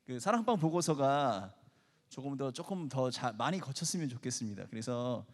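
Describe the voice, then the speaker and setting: A man's voice: mid-range voice, lively intonation, moderate pace. A man politely addressing a congregation with announcements and encouragement, as a church training leader. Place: church hall. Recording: long echoing hall reverb.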